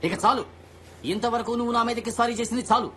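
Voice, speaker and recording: An actor playing an excitable young male sidekick in a comedy film, talking in a frantic, stammering, overacted way. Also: very high-pitched, fast talker, a little hiss or hum. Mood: exasperated. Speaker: hero's friend. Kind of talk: Telugu film comedy acting. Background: film score music.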